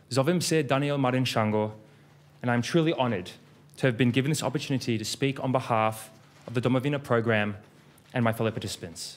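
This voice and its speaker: Someone with an Australian accent talks at a very fast pace with ordinary pitch variation, broken by long, frequent pauses. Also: man, medium pitch for a man. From Australia, Melbourne. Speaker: lawyer, diaspora program participant. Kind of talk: formal speech. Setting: government hall with audience. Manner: formal.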